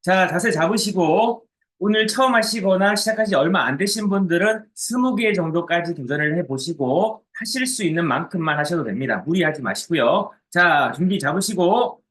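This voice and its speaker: A man's voice: high-pitched, animated, normal speed, a bit bright. A man leading a group workout as a fitness coach, counting reps and giving short, commanding cues with encouragement. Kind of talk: live exercise class instruction with counted reps.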